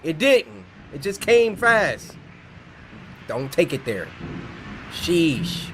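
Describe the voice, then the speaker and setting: A man's voice: on the high side, very animated, drawn-out words, fairly bright tone, slight background noise. A man streaming reactions to horror shorts in casual slang, scared and jumpy, exclaiming and protesting at what he watches.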